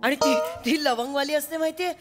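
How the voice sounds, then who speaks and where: A woman's voice: high voice, fairly quick, music in the background, natural voice. A woman playing a naive doting mother. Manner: innocent, whiny, pleading. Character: naive, doting middle-aged mother, easily flustered. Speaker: comic actress in a stage sketch.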